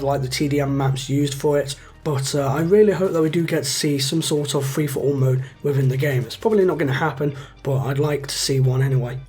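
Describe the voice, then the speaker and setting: A man's voice: a little high, darkish tone, breathy edge. A man giving casual game commentary as a YouTuber, chatty and full of fillers. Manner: chatty, many fillers like "you know" and "like". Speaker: gaming YouTuber.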